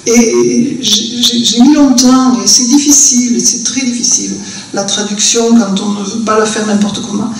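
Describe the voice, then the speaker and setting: A woman's voice: on the high side, steady tone, normal speed. An older woman with a southern French accent talks earnestly as a guest storyteller, circling back and restarting her thoughts. She is picked up by a distant mic in a very echoey room. A faint hum of room noise sits underneath. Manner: earnest and reflective, with frequent restarts. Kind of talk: conversational talk at a live event. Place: festival conversation venue indoors.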